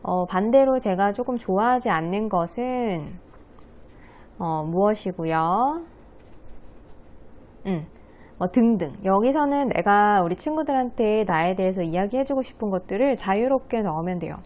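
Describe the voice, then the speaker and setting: A woman's voice: mid-range voice, lively intonation, moderate pace, darkish tone. Friendly woman speech coach teaching kids. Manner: friendly, patient teacher voice addressing children. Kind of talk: lesson for schoolchildren.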